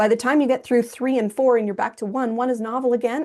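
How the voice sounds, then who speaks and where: A woman's high-pitched, very fast speech with ordinary pitch variation over a quiet background. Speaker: ADHD educator. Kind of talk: podcast interview.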